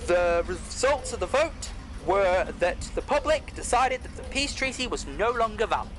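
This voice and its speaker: Man playing a high-voiced polite mechanical man. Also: very animated, normal speed, fairly bright tone, slight background noise. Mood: matter-of-fact. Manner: formal, explanatory. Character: polite mechanical clockwork man, loyal and strong. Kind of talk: scripted audio drama acting.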